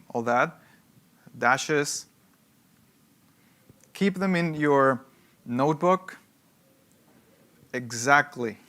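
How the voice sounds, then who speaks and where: A man's voice: medium pitch, fairly bright tone. Emphatic man teaching a live workshop. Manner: emphatic, repeats key points, checks understanding. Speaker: workshop instructor. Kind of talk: live hands-on workshop instruction. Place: room with a live audience.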